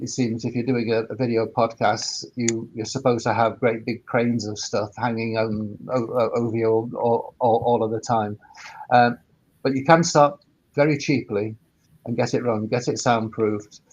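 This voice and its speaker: A man giving informal technical advice on a webinar panel, halting and often repeating words mid-sentence. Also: mid-range voice, darkish tone, lo-fi sound, a little hiss or hum. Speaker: sound engineer and workspace operator on a panel.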